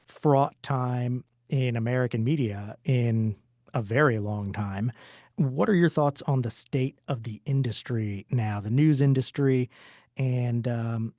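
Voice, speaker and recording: A male interviewer with a warm, mellow tone, recorded close and dry with no room sound. He asks long, winding questions and stops to rephrase himself mid-sentence. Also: medium pitch, no echo. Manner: wordy questions with restarts and self-corrections.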